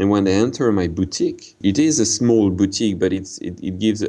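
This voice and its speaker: A man with a French accent and a fairly low voice, dark and mellow in tone, at a moderate pace against a quiet background. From France. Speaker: watch brand founder. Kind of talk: interview. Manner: halting.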